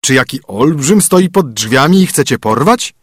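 A man's voice: medium pitch, expressive, moderate pace, breathy edge, dry recording, clean studio sound, voice pushed up. A man voicing a stern, fatherly old king who speaks in a firm, commanding tone.

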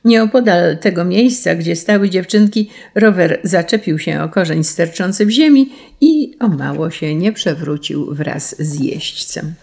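A woman reads a children's storybook aloud with steady, expressive pacing. Her voice sits low and sounds husky and gravelly, with plenty of fry. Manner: measured, expressive reading. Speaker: audiobook narrator. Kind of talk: scripted narration of a children's story.

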